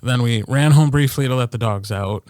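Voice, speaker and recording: A man's voice: medium pitch, normal speed, darkish tone, no echo, studio quality. A man co-hosting a podcast in casual chat, with wry, self-deprecating humor. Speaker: podcast co-host. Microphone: close podcast microphone, dry sound.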